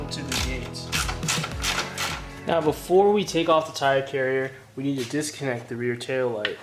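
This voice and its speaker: Higher-voiced man narrating a DIY vlog over music. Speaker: host of a car DIY channel. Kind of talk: casual how-to vlog narration.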